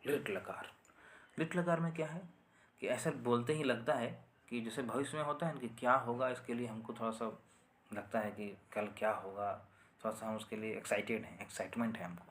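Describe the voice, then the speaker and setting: A man's voice: mid-range voice, normal speed, slight background noise. A man teaching a Sanskrit grammar lesson online, explaining with repetition and often asking "है ना?" to check understanding.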